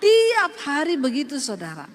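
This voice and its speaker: A woman pastor from Sulawesi with a Sulawesi Indonesian accent, preaching a lively, humorous sermon straight to her congregation. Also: high-pitched, normal speed. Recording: long hall reverb, faint noise.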